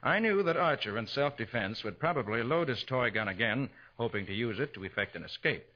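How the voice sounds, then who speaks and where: Man acting as confident American private eye, lively swooping pitch, assured explanations, vintage radio crime drama, dull old recording. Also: a little fast, natural voice. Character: confident male private detective, explaining how he solved murders.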